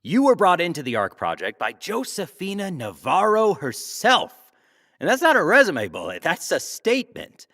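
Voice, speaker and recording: A man's voice: high-pitched, wildly swooping pitch, moderate pace, sharp tone, heavily acted. Slick male interviewer, showman, swooping intonation, wry, teasing, probing, sci-fi audio drama broadcast. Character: glib, teasing male talk show host, slick showman.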